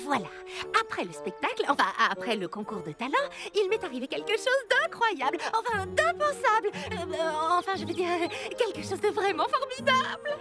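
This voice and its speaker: An eager young cartoon girl, very high and swooping in pitch. She is nervous and dramatic, with a hesitant delivery, over loud music. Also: very animated, normal speed, hardly any pauses. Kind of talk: French cartoon dub acting.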